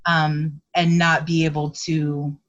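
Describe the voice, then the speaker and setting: A middle-aged woman with a notably low voice, reflecting in a hesitant, thoughtful way, pausing often. She comes through a dull, lo-fi remote line. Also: level tone. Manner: hesitant, thoughtful, many ums. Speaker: guest, activist. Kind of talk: conversational interview.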